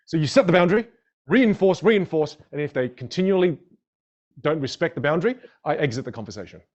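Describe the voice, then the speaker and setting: A man's voice: fairly high pitch, fairly quick. Upbeat guy teaching public speaking on a live stream, first language a chinese dialect, voice swings way up and down, kinda dull lo-fi audio. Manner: animated, upbeat, addresses viewers in chat. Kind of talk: live online masterclass.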